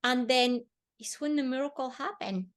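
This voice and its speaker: A woman from Colombia speaks, pitched a little high. She tells a personal story earnestly as an interview guest. She eases into a slower, softer delivery on the heavier parts. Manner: earnest, slowing and softening on emotional words. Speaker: podcast guest.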